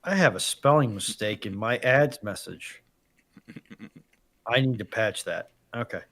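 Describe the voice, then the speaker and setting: A man's voice: on the low side, lively intonation, measured pace, a bit bright. A man chatting casually as a panelist on a live stream. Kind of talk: casual chat.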